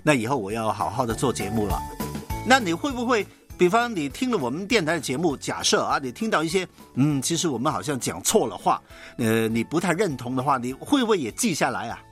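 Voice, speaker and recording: A man's voice: mid-range voice, big pitch swings, fairly quick, a bit bright, soft background music. A man from Guangdong with a Cantonese accent hosts a radio phone-in conversationally, encouraging and often echoing what he is told. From Guangdong, southern China. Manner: encouraging, asks and echoes back. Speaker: Christian radio host.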